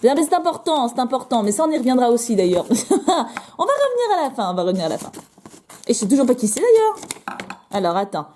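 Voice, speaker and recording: A fast-talking, very animated young woman with a fairly high pitch and a dark tone chats to camera over slight background noise. As a YouTuber opening fan mail, she's bubbly and playful and uses many little fillers and repeats.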